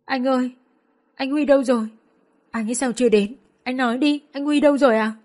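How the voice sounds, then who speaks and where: A woman's voice: a little high, quick pace, a little mellow, lightly acted. A woman voicing a desperate, grieving young woman who begs through tears. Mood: frantic. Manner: begging, sobbing pleas.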